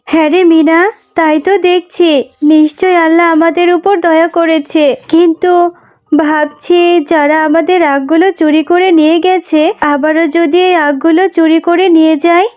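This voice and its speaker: Woman as a high-voiced, plaintive mother fox. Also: little pitch movement, moderate pace, darkish tone. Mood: relieved, worried. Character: anxious, gentle mother fox sugarcane seller. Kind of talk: Bengali cartoon voice acting. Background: music.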